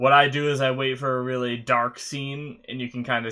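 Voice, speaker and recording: The background is quiet. At a moderate pace, a man talks. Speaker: reaction video host. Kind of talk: casual reaction commentary. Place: home room.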